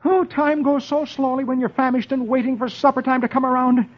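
A man voicing a frantic, starving office worker, squeaky and whiny, on an old radio broadcast. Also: steady tone, brisk, lo-fi sound. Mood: eager.

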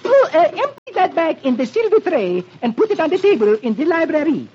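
A man voicing an excitable young French maid in a breathy falsetto, on an old radio recording. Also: a little fast, muffled recording. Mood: flustered.

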